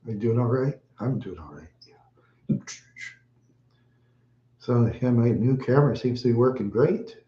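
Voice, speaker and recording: A man's voice: mid-range voice, unhurried, pauses often, warm tone. A man chatting on a live stream, out of breath, rambling and repeating himself with little chuckles. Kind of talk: casual live-stream chat. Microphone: webcam mic. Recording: echoey room, dull webcam audio.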